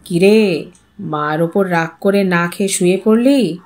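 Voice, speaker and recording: A woman voicing a calm, teasing middle-aged father with a wry, unhurried manner, in an audio story. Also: fairly low pitch, pitched below the performer's own voice, natural voice. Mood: amused, teasing.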